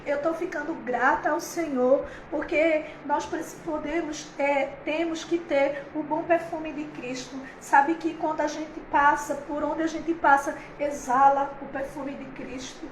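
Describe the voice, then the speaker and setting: A woman's voice: high voice, steady tone, a little slow, hardly any pauses, roomy sound, slight background noise, low-quality recording. A woman pastor, preaching a heartfelt, conversational sermon on a livestream, with many fillers.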